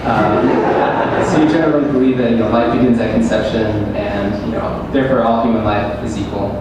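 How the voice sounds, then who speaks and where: A man's voice: lowish voice, fairly even intonation, brisk. A young man debating as a student, pressing his opponent with a thought experiment and insisting on direct answers. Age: young adult. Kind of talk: live debate questioning. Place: large echoey university hall. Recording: echoey hall, distant mic, room noise.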